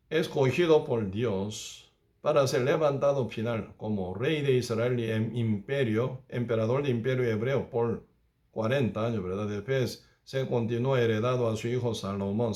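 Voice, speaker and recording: Pastor with halting, repetitive delivery. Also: male voice, mid-range voice, darkish tone. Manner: halting, repeats phrases, frequent tag questions. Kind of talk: Bible study sermon. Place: church.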